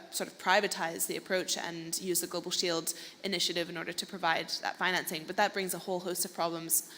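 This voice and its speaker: Lady running a panel, a bit low, careful hedgy talk, echoey hall w some hiss. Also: pushed and bright. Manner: quick, hedging, careful qualifiers. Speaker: moderator. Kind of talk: panel discussion. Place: conference hall. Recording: reverberant conference hall with faint noise.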